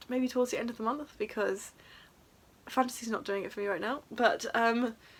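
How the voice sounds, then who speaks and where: This woman has a high-pitched voice with an English accent. She talks at a fairly quick pace. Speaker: book vlogger. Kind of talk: casual chat. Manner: fast; halting.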